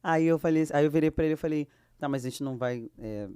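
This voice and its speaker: A Brazilian woman with a Brazilian Portuguese accent, a guest actress telling lively anecdotes and acting out the dialogue she quotes. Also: deep voice, fast talker, smooth. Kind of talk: casual storytelling.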